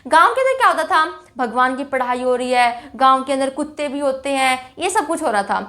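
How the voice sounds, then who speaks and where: Woman, young adult, high voice, chatty teacher, explains a chapter in Hindi, slow English readings. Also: lively intonation, bright, forceful tone. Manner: chatty, calls students "bhai", keeps checking with "theek hai"; reads English lines slowly, then explains in Hindi.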